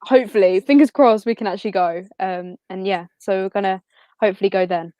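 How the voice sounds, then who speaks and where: A woman's voice: mid-range voice, fairly even intonation, a little fast, dark tone, no echo. A woman of about twenty chatting casually as an interview guest in a giggly, chatty manner. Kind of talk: casual chat.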